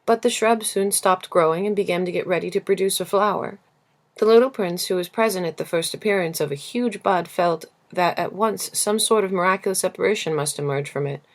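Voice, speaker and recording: Woman narrating a storybook, gentle and measured. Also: fairly low pitch. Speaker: audiobook reader. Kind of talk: scripted literary storybook narration.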